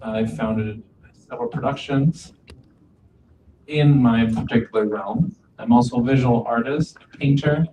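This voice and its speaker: A man voicing deaf panelists' introductions as a sign language interpreter, speaking calmly in short phrases. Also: medium pitch, a little slow. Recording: dull, distant, echoey, faint ambient noise.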